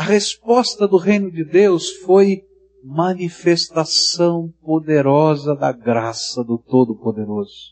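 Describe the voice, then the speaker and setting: A man with a Brazilian accent, high in pitch, with lively intonation at a very slow pace. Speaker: preacher. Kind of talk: sermon. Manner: expository, didactic; earnest, emphatic.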